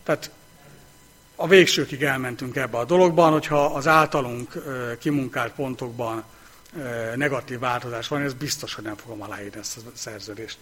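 A man chairing a local council meeting, calling items and announcing vote results in a brisk, procedural way. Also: mid-range voice, fairly bright tone.

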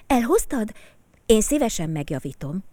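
A woman voicing a quiet, handy kindergarten boy in a storybook, calm and matter-of-fact. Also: medium pitch, no echo, voice pushed up, lightly acted. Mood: helpful, calm.

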